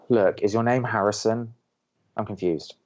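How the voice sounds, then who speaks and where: A man playing a sarcastic, reluctant young college radio co-host with an American accent and a deadpan manner, in audio drama banter. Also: fairly low pitch, highs cut off. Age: young adult.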